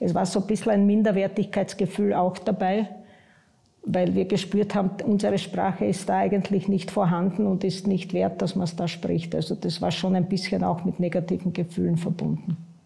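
A woman's medium-pitched, dark, mellow voice with vocal fry, monotone, flat intonation, very even loudness, and a moderate pace over a quiet background. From southern Burgenland, Austria. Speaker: former teacher, school inspector and regional politician. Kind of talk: interview answer. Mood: reflective, calm recollection. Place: hall. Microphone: lapel.

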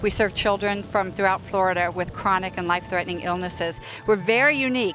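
A woman talks at a fairly quick pace with ordinary pitch variation. The sound is dry with no echo, and music is clearly heard in the background. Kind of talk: interview answer. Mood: cheerful, grateful. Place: open country. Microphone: handheld.

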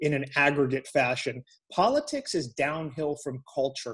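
Against a quiet background, a man talks at a moderate pace in a somewhat breathy voice. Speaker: remote guest, attorney, podcaster. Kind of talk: interview answer. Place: home room. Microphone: video call.

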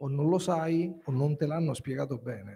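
Fairly high in pitch, this man's voice has a dark, mellow tone and is somewhat breathy. The background is quiet. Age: 50s. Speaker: telecom executive; guest. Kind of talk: panel discussion. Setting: stage with audience. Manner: animated. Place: stage. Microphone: handheld.

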